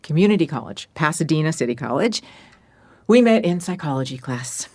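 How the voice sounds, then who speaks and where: A woman playing a kindly middle-aged former therapist in an audio drama, gentle, effusive and a little hesitant, in naturalistic conversation. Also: low-pitched, expressive, a little fast. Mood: fond, nostalgic. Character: kindly older woman, former therapist, friend of a late mother.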